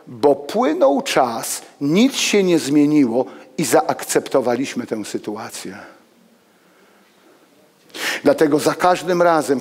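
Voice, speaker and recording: A man in his sixties preaching a sermon to his congregation, walking among the pews and swinging between loud exclamations and hushed asides. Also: high voice. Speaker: pastor. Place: church hall with pews and congregation. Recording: long reverb of a church hall.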